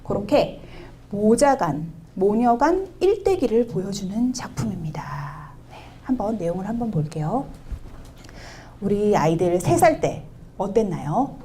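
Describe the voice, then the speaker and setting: Lively woman lecturing parents. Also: mid-range voice, unhurried, slight background noise. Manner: lively, asks the audience questions, acts out quotes. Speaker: picture book lecturer. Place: community event hall.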